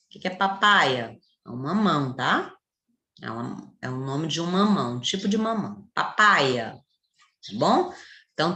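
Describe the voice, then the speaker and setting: Brazilian woman, middle-aged schoolteacher, patient and coaxing, animated pitch, echoey room. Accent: Brazilian Portuguese. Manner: patient, repetitive, coaxing with tag questions. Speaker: primary school teacher. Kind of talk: recorded video lesson.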